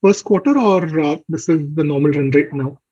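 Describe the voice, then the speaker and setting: A man speaking as a financial analyst, haltingly asking questions on an earnings conference call. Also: on the high side, lively intonation, mellow, husky, highs cut off.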